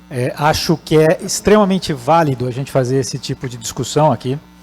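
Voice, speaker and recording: A man talking at a moderate pace, with music in the background. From Mato Grosso do Sul, Brazil. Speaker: retail CEO. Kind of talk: panel discussion. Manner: halting.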